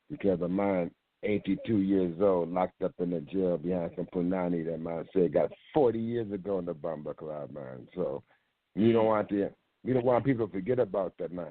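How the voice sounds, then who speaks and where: Speaking at a fairly quick pace, a man with a very deep, low pitch shows ordinary pitch variation. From Caribbean. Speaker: poet. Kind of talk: casual chat.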